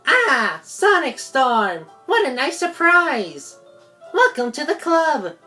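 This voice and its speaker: A woman voicing an upbeat, welcoming schoolgirl club president in a visual novel, loud and drawn out. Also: high-pitched, big pitch swings, slow, faint music behind, voice pushed up, full character voice. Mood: delighted.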